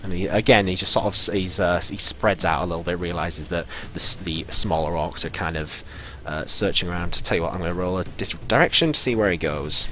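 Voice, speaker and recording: A man narrating as game master of a live-streamed tabletop game, halting and full of fillers as he describes the scene. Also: deep voice, sharp tone. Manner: halting, full of ums and sort-ofs.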